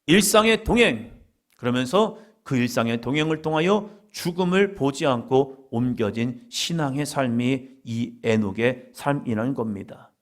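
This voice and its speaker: A man's voice: medium pitch, normal speed. A man preaching a sermon as pastor in a church, building to emphatic, repeated appeals. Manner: emphatic preaching with rising fervor and repetition.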